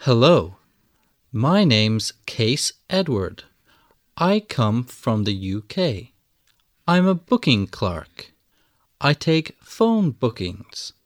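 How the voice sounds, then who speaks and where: A man reads out an English course recording in slow, deliberate phrases, with a lively rise and fall to his pitch. The sound is dry and close, like a small studio booth. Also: no room sound. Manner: slow, clearly enunciated reading. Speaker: textbook audio reader. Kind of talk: scripted language-lesson recording.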